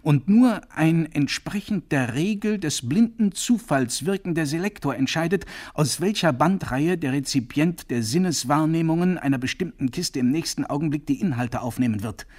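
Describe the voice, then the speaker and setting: A man reading a radio story, voicing a domineering male professor who lectures loudly and shouts down every interruption. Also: fairly high pitch, animated, moderate pace, few pauses, pitched above the performer's own voice. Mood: ranting. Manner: lecturing, loud, insistent. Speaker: reader.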